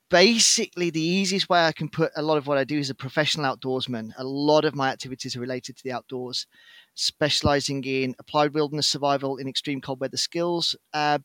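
A middle-aged British man, a podcast guest, explaining his outdoor work in a measured, articulate way. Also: mid-range voice, a bit bright, no echo. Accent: British English. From United Kingdom. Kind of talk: casual podcast interview.

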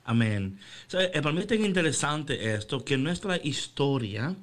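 A man co-hosting a casual faith chat on the radio, animated and slipping into English phrases. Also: medium pitch, moderate pace. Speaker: radio devotional co-host.

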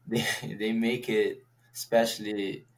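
Slow, flat-toned young man, hesitant. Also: on the low side. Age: young adult. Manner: hesitant, simple short phrases. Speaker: college baseball player, interview guest. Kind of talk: casual interview answers.

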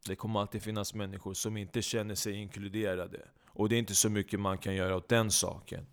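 A man hosting a comedy podcast, speaking low and dry with teasing questions. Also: little pitch movement. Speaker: podcast host. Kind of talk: casual comedy podcast chat.

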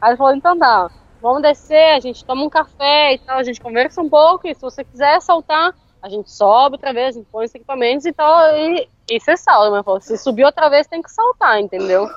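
A high-voiced woman tells an animated story, laughing as she goes. The recording is dry and a little dull. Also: brisk, no room sound. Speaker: interview guest. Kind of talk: casual storytelling chat.

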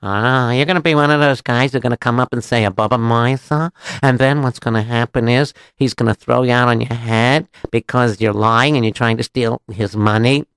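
A man's voice: mid-range voice, fairly even intonation, a little fast, a bit bright, clear, resonant tone, no echo, lightly acted. A man voicing a wry, teasing Jewish townsman in a story, with a knowing, drawling manner. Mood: teasing, admonishing.

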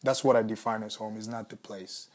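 Soft-spoken Kenyan-accented young man. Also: on the low side, fairly even intonation, fairly quick. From Congo, raised in Kenya. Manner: thoughtful, searching, with soft laughs and restarts. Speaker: musician, former refugee. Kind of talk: reflective interview answers.

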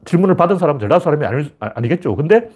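Heated husky man ranting fast. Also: fairly high pitch, big pitch swings, a little mellow. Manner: heated, emphatic, acts out taunting questions. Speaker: political commentator. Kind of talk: political monologue.

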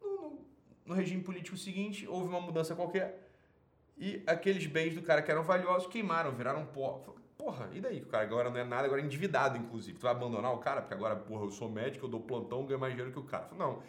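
A man's voice: medium pitch, fast, reverberant. A man with a Brazilian Portuguese accent who hosts an advice show, answering a listener's email in a blunt, casual monologue full of swearing. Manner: blunt, swears often, emphatic.

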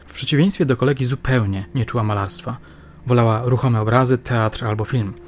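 Brief: male audiobook narrator for a crime novel, steady and measured. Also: mid-range voice, a little hiss or hum. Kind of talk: scripted narration.

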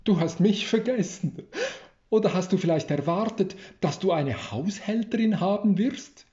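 A man reading the lines of a brisk, motherly old housekeeper woman in a storybook reading, in a roomy, slightly dull recording. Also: high voice, dark tone, close to an everyday voice. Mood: scolding.

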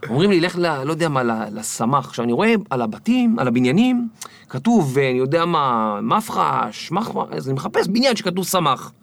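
A man guest on an interview podcast, telling stories in a lively way and acting out the people in them. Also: on the high side, gravelly, no room sound. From Israel. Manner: animated, acts out the people in his stories. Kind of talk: storytelling interview.

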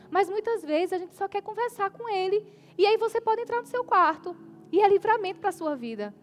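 A woman preacher delivering an emphatic sermon, often asking the congregation "amen?" and reading scripture slowly and deliberately. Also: extremely high pitch.

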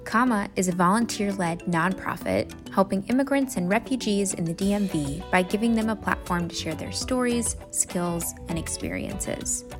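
A woman's voice: medium pitch, lively intonation, normal speed, few pauses, over music. A woman hosting a podcast, speaking in a casual interview style. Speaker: podcast host.

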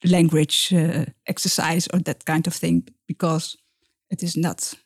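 A middle-aged woman, a guest expert on a podcast, speaking English in halting phrases that often restart. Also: low voice, little pitch movement, dry recording, clean studio sound. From Netherlands. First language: Dutch. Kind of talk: podcast interview.

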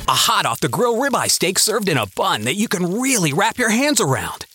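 A man's voice: fairly high pitch, a bit bright. A man delivering scripted advertising narration as a polished commercial announcer. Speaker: commercial voice-over artist. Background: music.

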